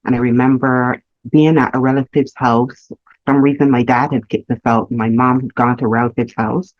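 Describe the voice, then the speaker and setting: A woman from Barbados, telling her life story as a guest, earnest and reflective with halting restarts. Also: a bass voice, steady tone, no room sound. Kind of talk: candid personal storytelling. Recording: slightly muffled lo-fi audio.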